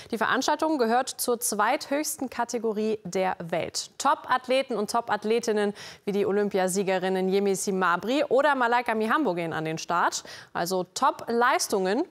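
Polished woman news anchor. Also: mid-range voice. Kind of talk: scripted news presentation.

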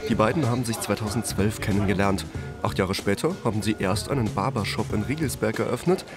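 A man reading a calm, scripted news report narration. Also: on the low side, fairly quick. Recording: voice-over over music.

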